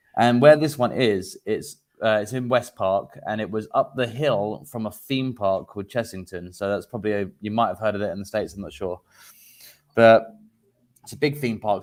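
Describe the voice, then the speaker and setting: Speaking with an English accent, a man talks at a fairly quick pace in a medium pitch with ordinary pitch variation. The recording is very clean, with a silent background. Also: big swings in loudness. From England. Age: 20s. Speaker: paranormal investigator and podcast host. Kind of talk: casual interview chat.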